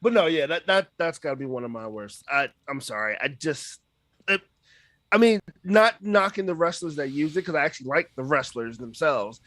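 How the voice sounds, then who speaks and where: Casting note: easygoing male co-host, slightly high, lively pitch, dry sound. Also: moderate pace, dry recording. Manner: relaxed, laughs easily, self-deprecating. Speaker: podcast co-host. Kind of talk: casual wrestling podcast chat.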